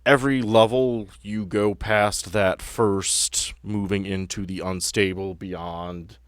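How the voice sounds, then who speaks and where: Low-voiced man running a tabletop game. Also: steady tone, slow pace, clean tone, no room sound, clean studio sound. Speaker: game master. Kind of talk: narrating and refereeing a tabletop game.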